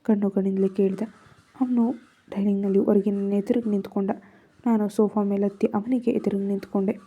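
A woman's voice: mid-range voice, little pitch movement, a little fast, highs cut off. A woman narrating a first-person love story in Kannada-accented speech, raising her voice for quoted lines.

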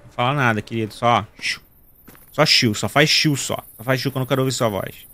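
A man's voice: mid-range voice, brisk, pushed and bright, a little hiss or hum. A man in his thirties with a Carioca accent from Rio de Janeiro, casually joking and chatting with viewers while playing a game. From Brazil. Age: 30s. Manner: joking, slangy, talks to viewers. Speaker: gaming video host. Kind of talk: casual gameplay commentary.

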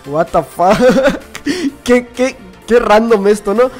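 Un joven con acento latinoamericano que comenta sus partidas con emoción, grita cuando pierde y murmura entre jugadas. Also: male voice, sits high, takes it slowly, faint music behind. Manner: excitable, yells at sudden deaths then drops to mutters. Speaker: gaming youtuber. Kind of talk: gameplay commentary.

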